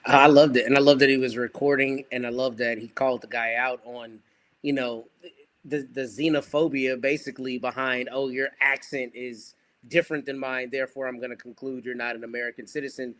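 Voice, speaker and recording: A man giving commentary on a panel, explaining points at length in an energetic, articulate way. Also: mid-range voice, a little fast.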